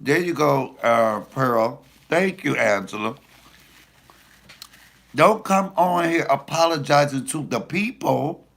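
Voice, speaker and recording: A deep-voiced middle-aged man riffs to his livestream audience. His voice has a gravelly edge and swings widely in pitch as he talks, loose and profane. The sound is a plain phone or webcam capture. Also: slow. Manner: animated, loose and profane storytelling. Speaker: comedian hosting a livestream. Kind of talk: casual livestream chat with viewers.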